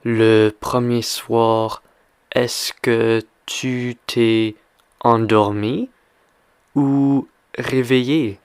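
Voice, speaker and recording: Male language teacher, extremely slow and deliberate, smooth resonant voice, dry close sound, drills questions. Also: medium pitch, little pitch movement, dry recording. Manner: deliberate, repeats and quizzes the listener. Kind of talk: slow question-and-answer reading lesson.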